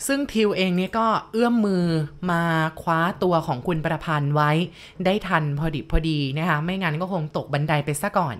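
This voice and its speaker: Brief: woman storyteller, low voice, polite, speaks to the listeners directly. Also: fairly quick, hardly any pauses. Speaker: ghost story narrator. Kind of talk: narrated ghost story for listeners.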